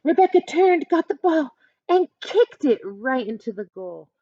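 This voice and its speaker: A woman's voice: sits high, very animated, unhurried, dark tone, no room sound, highs cut off. A woman teacher reading a picture book aloud expressively, adding instructive asides and questions for listeners.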